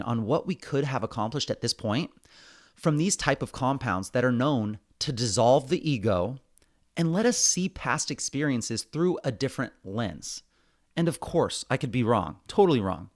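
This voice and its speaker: An American man presenting a semi-scripted solo podcast, speaking in an earnest, conversational way straight to his listeners. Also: medium pitch. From United States. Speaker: podcast host.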